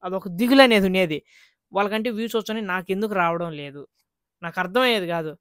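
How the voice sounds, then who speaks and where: A man's voice: high-pitched, fast, a bit bright, smooth, no echo, clean studio sound. A man vlogging in a casual, earnest way, chatting straight to his viewers.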